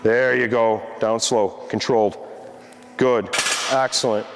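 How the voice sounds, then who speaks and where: A man's voice: mid-range voice, steady tone, slow pace, gravelly. A man coaching an exercise like an aerobics instructor, calling out short encouraging cues. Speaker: gym trainer, like an aerobics instructor coaching reps. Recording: echoey, noisy gym with long reverb.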